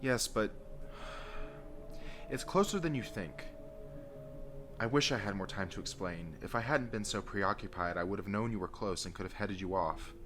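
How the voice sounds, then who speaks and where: A man's voice: fairly low pitch, normal speed, long pauses, over music, close to an everyday voice. An actor playing a weary, secretive man changed by an otherworldly force, pleading urgently and lovingly in an audio drama. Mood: urgent concern. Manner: earnest, pleading.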